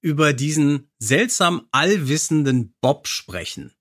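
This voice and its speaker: A man's voice: a little high, animated, takes it slowly, no echo. A man co-hosting a podcast in a casual, conversational style. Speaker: podcast co-host. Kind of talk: casual chat.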